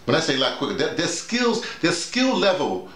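A middle-aged or older man talking casually and emphatically to colleagues like a teacher, often halting and repeating his words over and over. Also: a little high, wildly swooping pitch, fairly bright tone. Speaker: workshop leader and radio drama teacher. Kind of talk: casual informal explanation to colleagues. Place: small indoor room with bare walls, seated. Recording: roomy, echoing small room.

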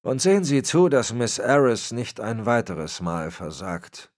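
A man voicing a frail, cold old crime boss who gives orders in a raspy voice. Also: medium pitch, big pitch swings, measured pace, voice pushed up. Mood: icy. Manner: cold, commanding. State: raspy, cracking voice.

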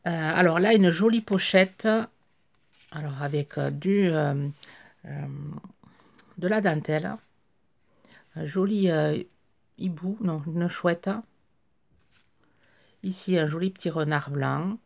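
A middle-aged woman, slightly hoarse, chatting hesitantly with many fillers as she opens craft mail at home. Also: low-pitched, slow pace, long pauses, a little mellow. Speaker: craft vlogger. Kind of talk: casual chat while unboxing mail. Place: craft table indoors, home.

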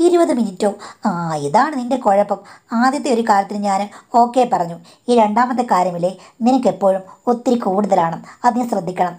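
A woman's voice: medium pitch, lively intonation, a little fast, dark tone, lightly acted. A woman voicing a scheming older mother-in-law who chides and coaxes in a falsely sweet tone. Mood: scolding. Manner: coaxing and chiding, calls everyone dear.

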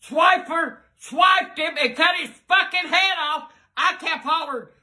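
A man voicing a foul-mouthed, angry old grandmother who curses and shouts Spanish exclamations in a comedy sketch. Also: very high voice, a little slow, heavily acted. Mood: ranting.

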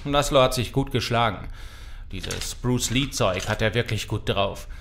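A man's voice: medium pitch, unhurried, gravelly, fairly bright tone, slight background noise. An actor playing a determined, firm street gang leader rallying his people in a German audio drama. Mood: resolute. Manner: firm, commanding.

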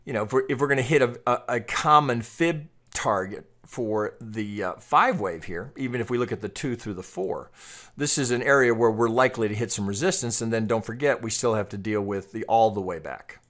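A man's voice: mid-range voice, fairly quick, a bit bright. A man giving unscripted tutorial commentary as a trading analyst, explaining step by step and often repeating and restarting his phrases.

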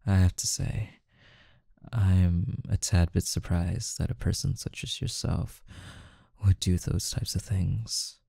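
A man playing a calm, intimidating, teasing mafia boss in an ASMR roleplay, with a menacing yet softly coaxing delivery and deliberate pauses. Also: low voice, creaky, husky, dry recording, studio quality, heavily acted. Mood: amused, coaxing.

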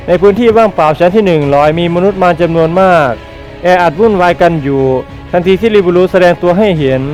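A man narrating a web novel in a steady, plain way, his voice pitched high for a man. Soft music runs faintly underneath. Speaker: novel reader. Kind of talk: web novel read aloud.

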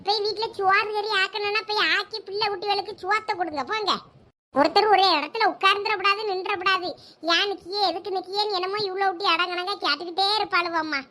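High bright-voiced woman with a Thoothukudi accent. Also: steady tone, quick pace. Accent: Thoothukudi Tamil. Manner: scolding, gossipy village chatter. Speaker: sketch performer playing village women. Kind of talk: comedy village sketch acting.

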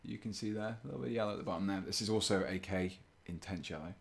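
A man with a low, fairly monotone voice, chatting casually on a live stream while he paints miniatures and reads chat. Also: very fast, vocal fry. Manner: relaxed, chatty, chuckles often, reads chat aloud. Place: indoors at a painting desk.

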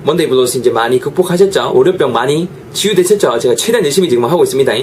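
Lively Korean man teaching English. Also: mid-range voice, racing, a little hiss or hum. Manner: lively, drills pronunciation with repeated examples. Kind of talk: online English lesson.

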